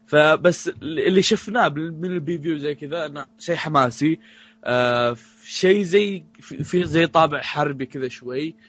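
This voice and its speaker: Man, rapid delivery, slightly high voice, rambling casual podcast chat. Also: a bit bright, no echo. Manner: rambling, with frequent restarts. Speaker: podcast co-host.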